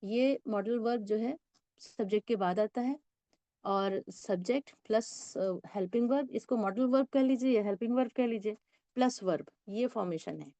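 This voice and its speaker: A woman teacher takes learners through English sentences. She explains with patience and reads each sentence out slowly, word by word. Her voice is warm and mellow, recorded close and dry. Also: on the high side, no echo. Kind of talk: spoken English lesson.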